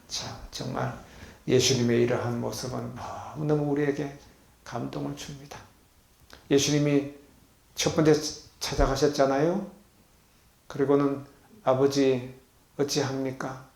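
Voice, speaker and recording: A man preaching as a pastor, leading the congregation in reading and call-and-response, moving between loud exclamations and soft low asides. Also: little pitch movement, a little slow, gravelly, pauses often. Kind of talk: sermon with congregation reading along. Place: healing center meeting hall. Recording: echoey hall.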